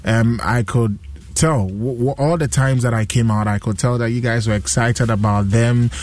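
A man with a Ghanaian accent hosting a music show, animated and sing-song as he interviews guests. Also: medium pitch, normal speed, dry recording. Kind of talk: lively casual interviewing.

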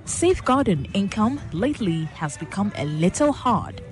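A woman's voice: mid-range voice, big pitch swings, normal speed. Ghanaian woman narrating a radio report over music. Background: music under the voice.

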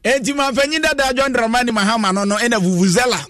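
A man's voice: very high-pitched, steady tone, fast talker. A Ghanaian man presenting the news on radio in a rhythmic, sing-song way. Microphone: studio microphone.

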